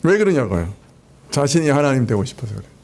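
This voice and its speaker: A man delivers a Sunday sermon from the pulpit of a church. He preaches in a relaxed, conversational way and lets the ends of his phrases fall away quietly. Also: mid-range voice. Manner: conversational preaching with soft laughs and drawn-out endings. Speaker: pastor. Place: church sanctuary.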